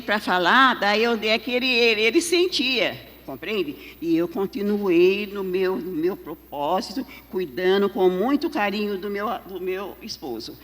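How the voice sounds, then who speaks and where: A woman giving an emotional church testimony in a halting way, full of filler tags and restarts. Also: medium pitch. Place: large church hall. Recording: long reverb of a church hall.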